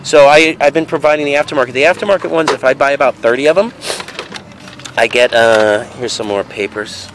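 A man's voice: mid-range voice, a little fast, fairly bright tone. A man casually talking through a box of used video games at an outdoor flea market, thinking aloud with many fillers, recorded on a handheld camera. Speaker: video game reseller. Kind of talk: casual handheld vlog narration. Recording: noisy outdoor camera audio.

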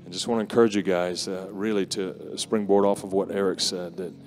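A man in his forties preaching on an arena stage with a handheld mic, speaking earnestly and softly with many pauses. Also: low voice, fairly even intonation, a little hiss or hum. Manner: earnest, soft-spoken, pausing often with fillers. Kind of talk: closing exhortation at a conference. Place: large indoor arena stage. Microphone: handheld microphone. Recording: live music under the voice. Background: worship music.

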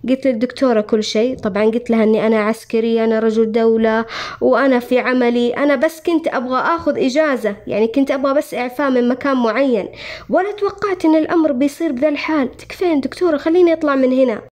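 A woman's voice: fairly high pitch, very fast, a little mellow. A woman with a Saudi accent telling a true story in the first person, in an emotional, earnest way.

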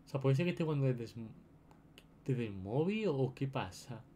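With a mellow, expressive medium-pitched voice at a moderate pace, a young man from Spain hosts a gaming video, offering chatty commentary and often repeating phrases. Slight background noise is present.

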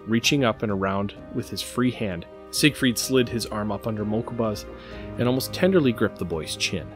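A man's voice: on the low side, expressive, normal speed. A man narrating a scripted audio drama story. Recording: music behind the narration.

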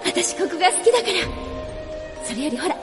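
A woman playing a gentle, wistful young sweetheart, tender and girlish, in a Japanese fantasy radio drama. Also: very high-pitched, sing-song, brisk. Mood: sweet, wistful. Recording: studio drama with music behind.

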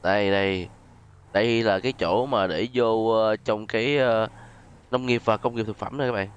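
The recording is muffled, but the man's fairly low voice comes through clear and resonant, with fairly even intonation at a moderate pace. A southern Vietnamese gaming YouTuber, he chats and exclaims through role-play gameplay and often speaks to his viewers.

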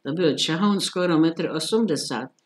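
A man's voice: a little high, natural voice. A man reading as a grumbling, dry police commissioner. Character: grumbling phlegmatic middle-aged police commissioner.

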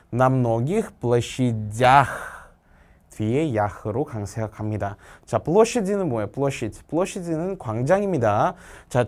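A male language teacher explaining exam answers step by step, asking questions and answering them himself, and reading example sentences slowly. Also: medium pitch. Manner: reads Russian example sentences slowly and clearly.

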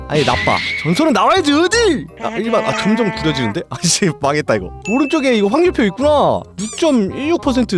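A young adult woman giving casual gameplay commentary, talking to herself and shouting at the game. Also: on the high side. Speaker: game streamer. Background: game music.

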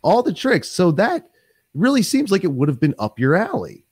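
A man's voice: high-pitched, normal speed, slightly rough, no echo. Podcast host, thirties, man; rambling, chatty delivery on a desk mic, dry close sound. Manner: rambling, animated, lots of fillers and restarts. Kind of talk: casual interview chat. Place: small home office. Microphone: desk microphone on stand.

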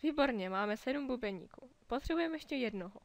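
A woman's voice: a little high, expressive, dry recording. A woman voicing a fussy, self-important male crab who composes for a royal court, speaking in anxious exclamations. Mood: fretful, proud.

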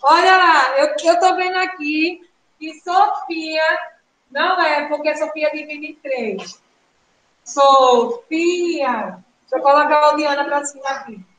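A woman's voice: high voice, fairly even intonation, a bit bright, echoey room, a little hiss or hum, rough recording. A Brazilian woman teaching a primary school class, calling on pupils by name and asking patient questions. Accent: Brazilian Portuguese. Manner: calls out pupils' names, slow patient questioning. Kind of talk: classroom lesson.

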